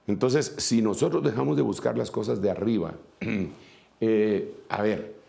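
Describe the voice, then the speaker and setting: Gravelly Guatemalan preacher man. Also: fairly low pitch, measured pace, dark tone. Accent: Guatemalan Spanish. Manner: earnest, repeats phrases for emphasis, fillers and restarts. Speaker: apostle and preacher. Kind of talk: sermon.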